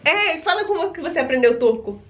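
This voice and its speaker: A woman's voice: extremely high pitch, animated, fairly quick, highs cut off, slight background noise. A young woman from Brazil, chatting casually to the camera as a vlogger and often calling out to her viewers. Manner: chatty, repeats "gente" often.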